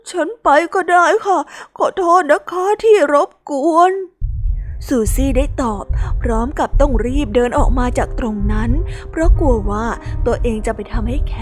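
Woman reading a kids story out loud, high voice, soft music behind. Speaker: narrator. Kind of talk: scripted storybook narration.

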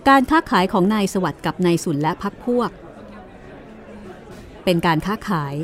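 A woman's voice: on the low side, animated, moderate pace, some chatter behind. A woman narrating a courtroom mystery story in a storytelling style.

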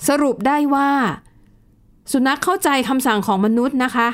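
A woman's voice: sits high, animated, moderate pace. A woman co-hosting a casual news chat show, explaining with examples and adding polite particles. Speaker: radio news co-host.

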